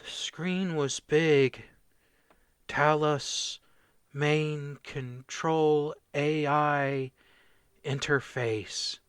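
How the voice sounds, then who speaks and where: A man playing a traumatised, drugged soldier in a radio play, recalling horrors in halting fragments. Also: a little high, steady tone, a bit bright, smooth, dry recording, studio quality. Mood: drugged, confused. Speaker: corporal under interrogation.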